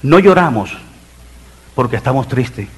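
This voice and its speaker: A middle-aged man preaching a sermon in church as pastor, building emphasis and dropping into soft asides. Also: mid-range voice, animated, a little slow, husky. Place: church sanctuary.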